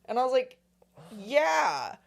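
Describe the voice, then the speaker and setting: Woman w a deep voice, podcast cohost, jokey and animated telling stories. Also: takes it slowly, creaky. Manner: joking, animated storytelling. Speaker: podcast co-host. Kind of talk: casual chat.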